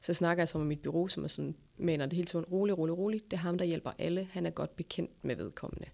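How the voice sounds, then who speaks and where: A woman races along at a very fast pace with hardly any pauses, her fairly low voice keeping a fairly even intonation. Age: 30s. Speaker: social media specialist and instagrammer. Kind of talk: podcast interview.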